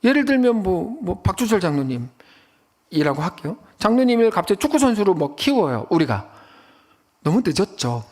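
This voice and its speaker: Guy pastor preaching sunday sermon, high voice, jumps all over the place, chatty. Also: normal speed. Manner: lively conversational preaching with acted quotes. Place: church sanctuary.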